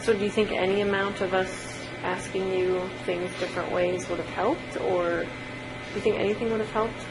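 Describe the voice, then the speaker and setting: A woman's voice: medium pitch, flat delivery, normal speed, low-quality recording. Woman interviewer with music behind her. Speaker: investigator interviewing an inmate. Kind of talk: conversational interview questioning.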